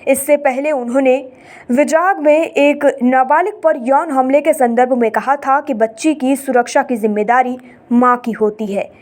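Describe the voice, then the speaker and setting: A woman news anchor reading a scripted bulletin in a brisk, formal manner. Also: high voice, a little mellow.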